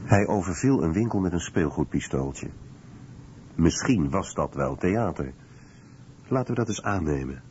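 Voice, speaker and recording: A man's voice: sits low, expressive, moderate pace, pauses often, a little mellow, a little hiss or hum. A man reading translated commentary as a scripted documentary voice-over. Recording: dull lo-fi radio recording.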